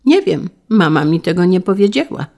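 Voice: mid-range voice, sing-song, normal speed, a little mellow. A narrator voicing a shy orphaned schoolboy who speaks hesitantly and earnestly in an audiobook. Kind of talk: audiobook character reading.

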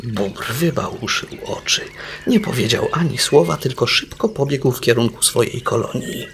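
Man reading a kids story, slow wry and gravelly, pitch jumps all over. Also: lively intonation, fairly bright tone, a little hiss or hum. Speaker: narrator.

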